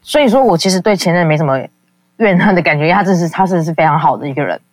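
Fast-talking caller. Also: mid-range voice, lively intonation, dry recording. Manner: rambling, lots of fillers, acts out quoted people. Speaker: call-in guest. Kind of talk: casual confessional storytelling.

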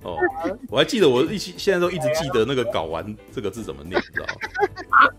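Man, 40s, podcast co-host, casual storytelling, very quick, lively pitch. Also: loud music behind the voice. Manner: animated storyteller, keeps asking "you know?". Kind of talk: casual chat.

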